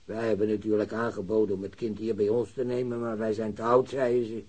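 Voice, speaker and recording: A man's voice: lowish voice, flat delivery, a little fast, a little mellow, breathy edge. A man acting a worried, aggrieved working-class grandfather in a radio drama, plain-spoken and grumbling. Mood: worried, resigned. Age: older.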